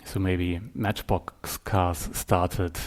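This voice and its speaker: A very deep, gravelly man with a German accent speaks as a podcast guest. He is middle-aged and answers thoughtfully, pausing often with ums, in English that is not his first language. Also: little pitch movement. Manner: thoughtful, hesitant, with many ums. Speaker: guest photographer. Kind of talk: podcast interview.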